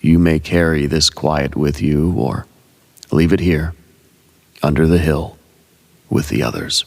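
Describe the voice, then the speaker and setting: A man narrating a guided meditation in an ASMR style, solemn and hushed, in short, deliberate phrases with a gravelly, breathy voice. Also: very deep voice, fairly even intonation. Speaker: host and narrator of a meditative radio show.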